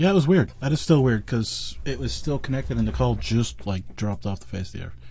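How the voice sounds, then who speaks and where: A man's fairly low, somewhat breathy voice in a dark, mellow tone, fairly quick, with very wide pitch swings and light background noise. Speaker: podcast host. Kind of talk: casual talk while fixing a dropped call. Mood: puzzled, mildly distracted. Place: home room.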